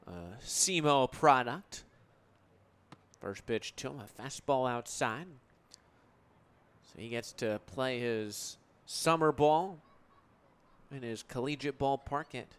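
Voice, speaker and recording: A man's voice: mid-range voice, a bit bright, smooth. A young American man in his twenties calling a game live as a radio play-by-play broadcaster. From United States. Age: 20s. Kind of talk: live sports radio commentary. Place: at live sports venues. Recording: crowd and gym noise behind. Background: crowd, ambient game noise.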